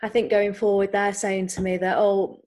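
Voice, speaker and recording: A woman's voice: mid-range voice, flat delivery, moderate pace, a little mellow. A woman from North Wales hosting an interview over a video call, friendly and agreeing, often ending with tag questions. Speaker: podcast host. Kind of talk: casual interview chat.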